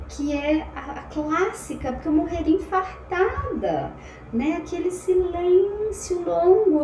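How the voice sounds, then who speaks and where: Animated woman lecturer in a roomy space. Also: very high-pitched. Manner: talks fast and a lot, animated, self-described anxious. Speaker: psychology lecturer. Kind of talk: online lecture. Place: home room at a computer. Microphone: computer audio. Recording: roomy sound, faint background noise.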